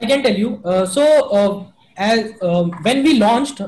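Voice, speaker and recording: Speaking at a moderate pace, a man with an Indian accent has a high pitch. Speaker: company representative. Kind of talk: online business discussion. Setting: video call. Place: home room. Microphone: webcam.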